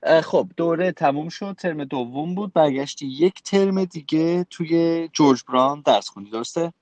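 A man's voice: fairly high pitch, a little mellow, no echo. A man with an Iranian accent hosting a conversational interview, affirming and recapping as he puts his questions. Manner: affirming, recapping what the guest said. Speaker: interviewer, host.

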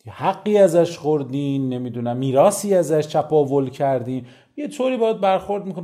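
Lively, mellow-voiced male lecturer. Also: a little high. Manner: animated, rhetorical questions, addresses listener directly. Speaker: negotiation trainer. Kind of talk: conversational lecture.

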